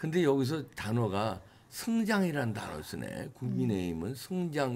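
Over light background noise, a man at a medium pitch talks with very wide pitch swings. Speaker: political YouTube host. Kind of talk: casual political talk show. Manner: animated. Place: studio. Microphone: studio mic.

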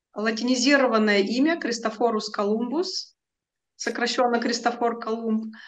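This woman talks at a fairly slow pace. Her pitch variation is ordinary. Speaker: interviewer. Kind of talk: interview. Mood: calm, friendly. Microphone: video call.

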